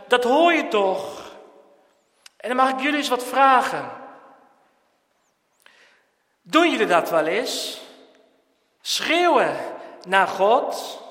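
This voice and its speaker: A man preaching a sermon, swinging between loud pleading and quiet, earnest speech. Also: very high voice. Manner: impassioned, swings from shouting to quiet. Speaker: pastor. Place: church. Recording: echoey church hall.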